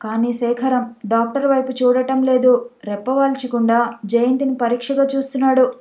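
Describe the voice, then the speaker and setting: A woman's voice: sits high, level tone, moderate pace, mellow. A woman narrating a novel as an audiobook, reading steadily and evenly.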